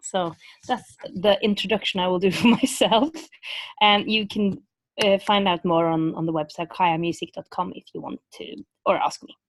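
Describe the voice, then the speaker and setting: A woman's voice: lowish voice, fairly even intonation, moderate pace, dry recording, rough recording. A woman with a Norwegian accent, a vocal coach teaching a webinar over a video call in a chatty way with many fillers and restarts, speaking around a bitten tongue.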